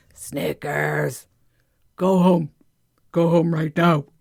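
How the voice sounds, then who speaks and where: A raspy put-on character voice sits at a middle pitch. It moves at a very slow pace. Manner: commanding.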